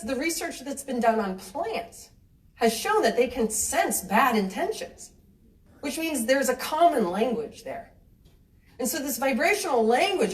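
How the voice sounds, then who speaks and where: A woman giving a live talk to an audience, chatty and animated, acting out little quoted exchanges and laughing lightly as she talks. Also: on the high side. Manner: laughs lightly mid-sentence. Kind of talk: live lecture with audience questions. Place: cinema venue with an audience. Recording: roomy hall sound from a distant mic.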